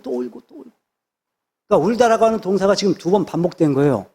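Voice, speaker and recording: A man's voice: sits high, darkish tone, husky. A man, a pastor, preaching a sermon with emphatic repetition of phrases. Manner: emphatic, repeats phrases for stress.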